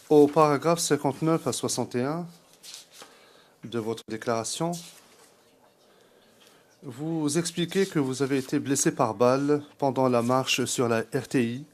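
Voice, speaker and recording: A man with a medium-pitched voice works as a court interpreter. He renders questions formally and carefully, pausing between phrases. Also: a little mellow.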